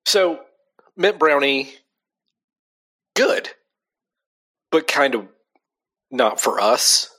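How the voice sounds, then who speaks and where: A man's voice: medium pitch, sing-song, extremely slow, long pauses, pushed and bright. A young adult man co-hosting a casual podcast chat, talking loosely with lots of fillers and easy laughs. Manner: chatty, laughs easily, frequent "like" fillers. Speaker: podcast co-host.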